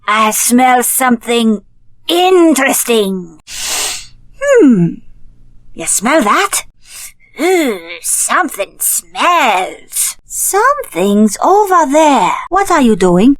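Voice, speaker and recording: A woman's voice: high voice, no echo, full character voice. A woman voicing a brash, flirty, trigger-happy female sidekick in a video game, with a cocky, slangy manner. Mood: curious, restless.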